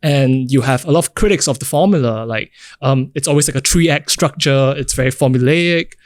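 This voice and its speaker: A mid-pitched man hosts a podcast, posing curious, measured questions. He fills the pauses with short acknowledgements. The recording is dry and close. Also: no room sound. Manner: curious, measured, frequent backchannels. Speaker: podcast host, interviewer. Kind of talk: interview questions.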